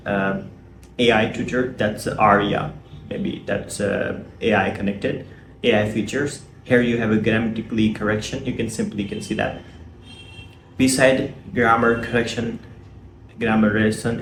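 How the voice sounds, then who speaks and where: Low-voiced man teaching English. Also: fairly even intonation, measured pace, roomy sound, a little hiss or hum. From Pakistan. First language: Urdu. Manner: explanatory, often ends with a tag question. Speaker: English tutor and app reviewer. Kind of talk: tutorial screen walkthrough.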